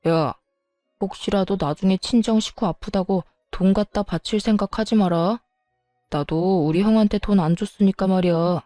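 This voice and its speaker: A woman's voice: medium pitch, moderate pace, dark tone, no room sound, soft background music, lightly acted. A woman voicing a cold, stingy husband. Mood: lecturing. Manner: cold, lecturing. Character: callous stingy young husband.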